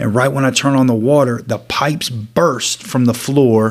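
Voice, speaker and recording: A man with an American accent speaks at a moderate pace in a medium pitch, his intonation flat and monotone. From US South, southwest Houston, Texas. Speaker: community center director. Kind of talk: testimony.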